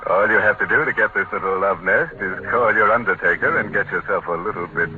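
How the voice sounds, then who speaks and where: A man's voice: lowish voice, brisk, background noise. A man hosting a 1940s radio horror show, with mock-sinister delivery and macabre jokes. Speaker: host and announcer. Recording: muffled 1940s radio broadcast with music.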